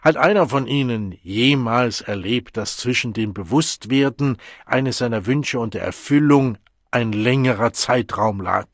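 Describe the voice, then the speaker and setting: Man voicing a haughty world ruler, emphatic, lecturing, husky, dry audiobook sound. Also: mid-range voice, a little slow, dry recording. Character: cold, lofty male World Controller lecturing students.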